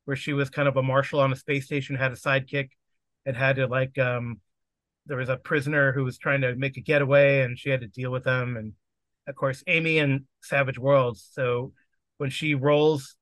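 A man's voice: mid-range voice, little pitch movement, moderate pace, a bit bright, no echo. A man hosting and running a tabletop game, chatting casually over a video call, rambling with lots of fillers. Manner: rambling, with many fillers and restarts. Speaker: game master and podcast host. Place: home setup on a video call.

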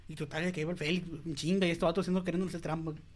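A man, a podcast host telling a story in casual chat, animated and slangy, acting out quotes and sound effects. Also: fairly high pitch, racing.

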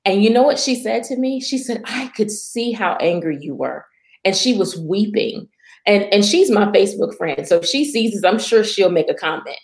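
A woman's voice: mid-range voice, brisk, roomy sound. A middle-aged woman who speaks at Christian women's ministry events, telling a personal faith story in earnest, conversational talk. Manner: earnest testimony with animated retelling.

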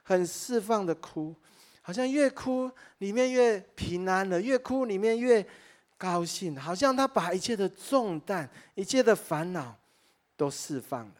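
A man's voice: high-pitched, expressive, measured pace. A male pastor preaching a sermon to his church congregation. He tells stories earnestly, breaks in with exclamations of wonder and speaks to his listeners directly as dear friends.

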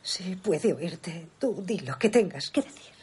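A woman's voice: on the low side, expressive, a little slow, darkish tone, breathy edge, full character voice. An actress playing an anxious, secretive village mother who answers hesitantly and evasively.

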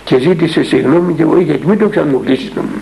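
A man's voice: fairly high pitch, gravelly, mellow, rough recording. An older man, a monastic elder and spiritual father from Greece, telling a story in a radio interview in an earnest, rambling way with many fillers and restarts.

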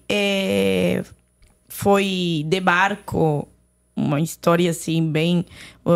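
A woman from Lebanon, raised in Argentina, with an accent mixing Arabic and Argentine Spanish, giving her personal testimony on a podcast in a halting way with many restarts. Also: fairly low pitch, gravelly. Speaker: podcast guest. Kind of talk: personal testimony in casual conversation.

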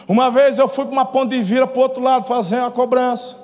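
A man with a Brazilian Portuguese accent, a pastor telling lively stories in a sermon, acting out scenes with shouts and laughter. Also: very high voice, quick pace. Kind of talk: storytelling sermon. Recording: long hall reverb, faint noise.

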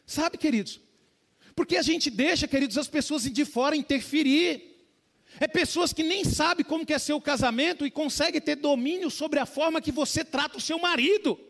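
A man's voice: extremely high pitch, moderate pace, vocal fry, fairly bright tone. A man preaching a conversational sermon as a pastor, often addressing the congregation as "dear ones". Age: adult with a young child.

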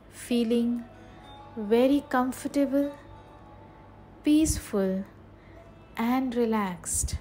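A woman leading a guided meditation in a soothing, measured way, leaving long pauses between short phrases. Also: a little high, a little mellow.

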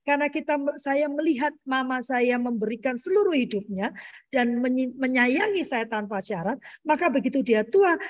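A middle-aged woman speaking as a parenting guest in a casual interview, animated and explanatory, often ending her points with "gitu ya" and addressing the host as "Pak". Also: high voice. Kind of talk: conversational interview talk.

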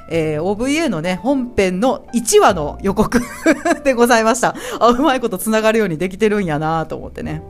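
A woman with a Kansai accent hosting a solo chat podcast about anime, chatty and laughing often as she acts out the characters' lines. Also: mid-range voice. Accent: Kansai Japanese. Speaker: podcast host.

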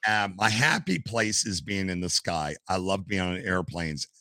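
A retiree from the States holds forth as a podcast guest, all anecdotes and asides. His voice sits low with a gravelly edge and a bright, forceful bite. The sound is close and dry, with no room around it. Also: measured pace, dry recording. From United States. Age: older. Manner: animated anecdotal storyteller. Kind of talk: casual storytelling interview. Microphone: headset.

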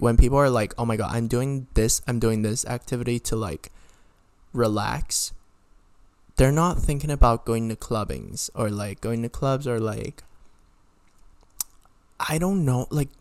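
A young adult man from Hong Kong vlogs his opinions in a lowish, darkish voice with no echo. He rambles casually, swears bluntly, and often rephrases himself.

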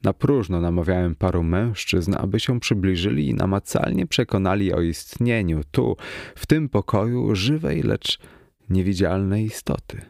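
A man narrating a first-person horror story in a tense, expressive reading, recorded close in a quiet studio. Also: low-pitched, moderate pace, vocal fry, no room sound. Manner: tense, expressive, rising to cries in the quoted lines. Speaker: audiobook narrator.

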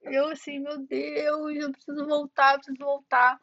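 Brazilian woman, 30s, Rio accent, chatty interview guest; slightly high voice, dry, dull lo-fi call sound. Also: completely flat delivery, normal speed, no room sound. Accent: Rio de Janeiro, Niterói. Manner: chatty, full of fillers and restarts. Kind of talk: casual conversational interview. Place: home in Toronto over a call.

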